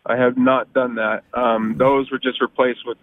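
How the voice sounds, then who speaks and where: A man calling in to a radio advice show over the phone, talking in a halting way with many ums and uhs. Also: mid-range voice, little pitch movement, dry recording. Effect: heard over a phone line. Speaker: caller to a car advice show. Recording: tinny phone-line call.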